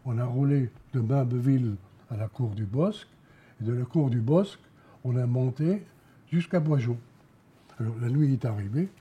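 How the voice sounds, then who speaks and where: An elderly man from Alsace recounting memories as an eyewitness, halting, repeating words and pausing between short phrases. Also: medium pitch, husky, lo-fi sound. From Alsace, France. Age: elderly, around 90. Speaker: war veteran giving eyewitness testimony. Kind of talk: spoken testimony, recounting memories.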